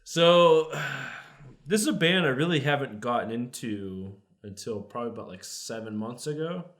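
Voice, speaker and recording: A man's voice: mid-range voice, moderate pace, a bit bright. A young man co-hosting a casual podcast chat, laid-back, swearing casually and saying dude. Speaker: podcast co-host.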